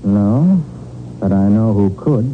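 A thin, lightly noisy 1940s radio recording carries a confident private detective. He reasons aloud briskly and with authority, his pitch moving freely as he lays out each point. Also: expressive, narrow, tinny audio. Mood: brisk, assured. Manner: crisp, authoritative, explanatory. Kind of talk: 1940s radio crime drama acting.

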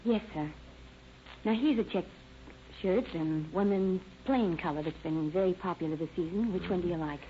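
A woman's voice: lowish voice, normal speed, natural voice. A woman playing a polite, anxious young American shopgirl in a 1930s radio crime drama. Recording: dull, noisy old radio recording.

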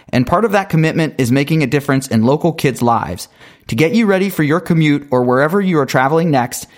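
A man hosting a podcast, reading sponsor ads in a smooth scripted way and introducing his guest. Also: mid-range voice. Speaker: podcast host. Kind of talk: read ads and interview intro.

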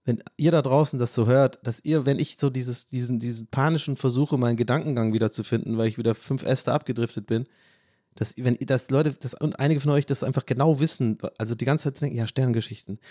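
A man's voice: mid-range voice, quick pace, dark tone, dry recording, studio quality. A man in his thirties with a German accent, hosting a podcast in casual, rambling chat that keeps losing its thread. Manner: rambling, loses his train of thought, self-mocking. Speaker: podcast host.

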